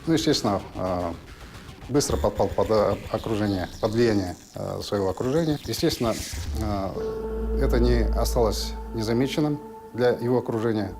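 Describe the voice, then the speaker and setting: A man giving a formal interview account as an official, speaking haltingly in bureaucratic phrases. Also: on the low side, a little mellow, soft background music. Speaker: official interviewee on a criminal case.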